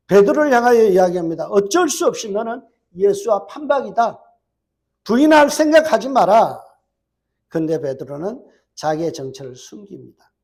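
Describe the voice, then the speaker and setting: A middle-aged male pastor with a Gyeongsang Korean accent, preaching a sermon quickly and putting rhetorical questions to his congregation. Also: high voice, darkish tone. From Gyeongsang, South Korea. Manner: fast-talking, strong regional accent.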